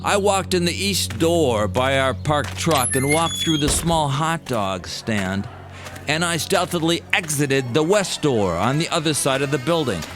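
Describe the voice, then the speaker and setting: A man telling a scripted first-person story as narrator, with deliberate, dramatic phrasing. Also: on the high side, animated, over music.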